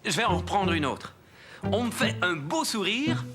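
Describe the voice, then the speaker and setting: Jolly fussy cartoon photographer, theatrical, swoopy pitch, loud music behind. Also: male voice, sing-song, normal speed. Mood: jolly, coaxing. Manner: theatrical, coaxing. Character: cheerful, fussy male portrait photographer. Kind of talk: French children's cartoon dubbing.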